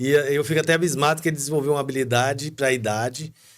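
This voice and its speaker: Speaking very fast, a man keeps his voice at a fairly high pitch. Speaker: veterinarian. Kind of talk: interview.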